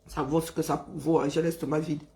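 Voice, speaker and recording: A Cameroonian woman with a hoarse, broken voice, chatting casually on a live stream and greeting viewers by name, exhausted, teasing, humming and sighing between remarks. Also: sits low, flat delivery, mellow. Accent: Cameroonian French. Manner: chatty, teasing, drawn-out sighs and hums. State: hoarse, worn-out voice.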